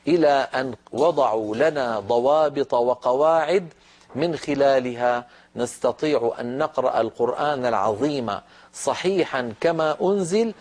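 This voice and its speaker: In a televised lesson, a man teaches Quran recitation, explaining letter sounds in a measured, deliberate way and demonstrating them slowly. His voice is medium-pitched with a darkish tone.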